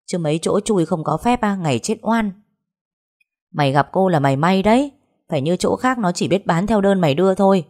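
A woman's voice: lowish voice, expressive, a little fast, darkish tone. A woman voicing a blunt, scolding elderly female pharmacist with a harsh, coarse way of talking. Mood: lecturing.

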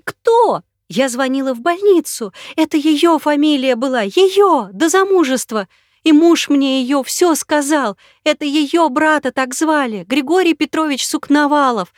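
Woman doing a shrill, hysterical young woman. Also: animated, measured pace, dry recording, clean studio sound. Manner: shrill, sobbing, screaming accusations.

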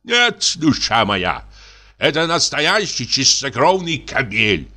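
A man's voice: mid-range voice, sing-song, slow pace, sharp tone, voice pushed up, full character voice. A man voicing a boastful, pushy, middle-aged army lieutenant who is drinking, exclamatory and wheedling. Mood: boasting. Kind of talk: audiobook character reading.

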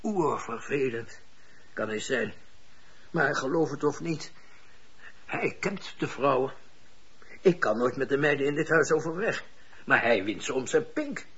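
An actor playing a cynical, bossy political schemer in a radio drama, speaking emphatically and with sardonic bite. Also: male voice, mid-range voice, expressive, a little slow, pauses often, a bit bright, breathy edge. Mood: grumbling. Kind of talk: Dutch radio drama acting. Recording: dull lo-fi radio recording.

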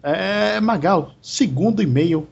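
Chatty Brazilian podcast co-host. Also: male voice, high voice, animated, slow pace, vocal fry, slightly rough. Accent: Brazilian Portuguese. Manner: chatty, laughs often, uses casual fillers. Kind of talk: casual podcast banter. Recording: muffled podcast audio with faint music.

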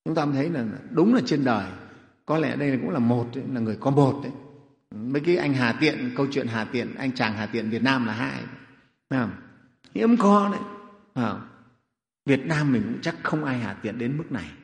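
A man, a Buddhist monk, telling a story in a sermon with lively rhetorical questions. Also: medium pitch, a little fast, gravelly. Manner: animated, rhetorical questions, chuckling. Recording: echoey hall.

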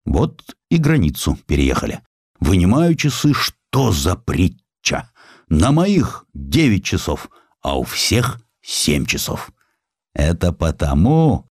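A man's voice: low-pitched, very animated, slow, a little mellow, no room sound, clean studio sound, full character voice. A man voicing a wily, plain-spoken old-time Russian tabloid publisher with a drawling, colloquial merchant's way of talking, in an audiobook. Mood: naively puzzled.

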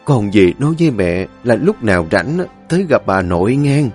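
A man's voice: on the low side, very animated, a little fast, soft background music. Man doing a tender old grandmother. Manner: tender, softly scolding. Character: tender elderly grandmother, soft-hearted.

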